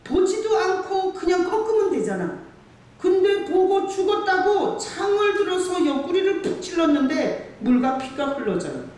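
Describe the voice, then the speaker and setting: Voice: very high voice, big pitch swings, moderate pace, a little mellow. Pastor preaching hard in a big echoey church, mic way off, keeps asking the crowd questions. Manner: emphatic, asks the congregation rhetorical questions. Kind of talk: sermon. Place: church sanctuary. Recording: very echoey church hall, far from the mic, faint hiss.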